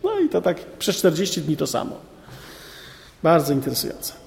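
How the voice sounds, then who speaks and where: A man preaching to a group of men, reading scripture and commenting on it in a lively, colloquial way with many rhetorical questions. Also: a little high, normal speed, gravelly, a little hiss or hum. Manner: lively, colloquial asides, frequent rhetorical "nie?". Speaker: preacher addressing a men's group. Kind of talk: sermon with Bible reading and commentary. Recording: long hall reverb.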